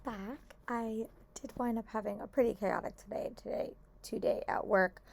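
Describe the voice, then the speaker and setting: A young woman chatting casually in a book vlog, hoarse from a long day of talking at work, upbeat with lots of "like" and restarts. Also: fairly high pitch, fairly even intonation, normal speed, darkish tone. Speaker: book vlogger. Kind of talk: casual vlog check-ins.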